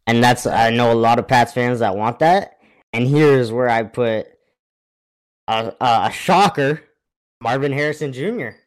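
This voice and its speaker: A man's voice: mid-range voice, unhurried. A man co-hosting remotely, giving casual sports analysis in a conversational way. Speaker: podcast co-host. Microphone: remote connection.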